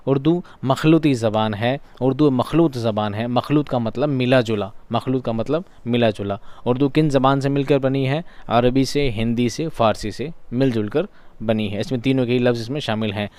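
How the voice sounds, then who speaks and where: A teacher quizzing himself aloud. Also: male voice, medium pitch, normal speed, a little mellow, smooth, no room sound. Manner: asks questions and answers them himself, repeats key terms. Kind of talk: classroom-style grammar lesson.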